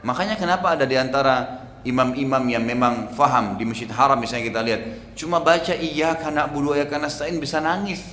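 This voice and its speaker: Middle-aged Indonesian male preacher, fairly high voice, echoey hall with faint background noise. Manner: animated storytelling with sudden loud peaks. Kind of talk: Islamic study sermon.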